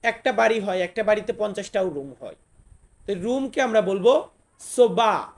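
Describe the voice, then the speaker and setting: A man from Bangladesh teaching a casual vocabulary lesson, repeating each word slowly and speaking straight to his viewers. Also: sits high, expressive. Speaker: language teacher.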